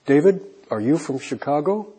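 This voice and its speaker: A man teaching an English lesson, slowly modelling questions and answers for learners. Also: fairly high pitch, expressive. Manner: modelling example answers clearly, trailing off softly. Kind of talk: slow, deliberate classroom instruction.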